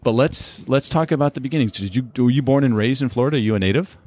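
A man's voice: mid-range voice, fast, darkish tone, dry recording. A man hosting a podcast interview, friendly and upbeat, recorded at a conference. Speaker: podcast host. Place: hallway at a conference.

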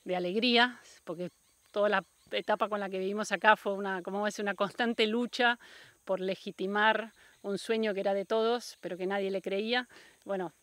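A woman's voice: mid-range voice, steady tone, normal speed, fairly bright tone, no echo. A woman with an Argentine accent explaining conservation work in an unscripted documentary interview. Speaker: conservation project worker being interviewed.

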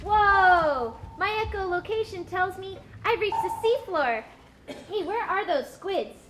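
Woman as excitable whale puppet, very high chatty voice. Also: takes it slowly, very noisy, full character voice. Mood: curious. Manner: wide-eyed, chatty and excitable. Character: curious hungry young female sperm whale. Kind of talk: live puppet show.

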